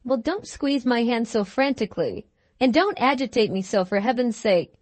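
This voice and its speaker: A woman's voice: on the high side, expressive, normal speed, a little mellow, no echo. A woman voicing a peevish, self-pitying young husband who speaks in a sulky, sarcastic way in an audiobook. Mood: irritable.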